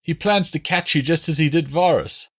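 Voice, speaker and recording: A man acting a whining, terrified tribal deserter, high-pitched. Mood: nervous, insistent. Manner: hurried, stammering pleading. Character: cowering, terrified tribal deserter begging for mercy. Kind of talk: audiobook character voice.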